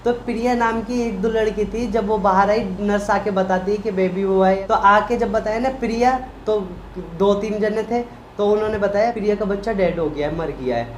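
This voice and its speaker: A man's voice: high voice, normal speed, a little hiss or hum. Man recounting a story in an echoey room. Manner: emotional, animated retelling with quoted voices. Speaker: vlogger, husband. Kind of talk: casual storytelling chat.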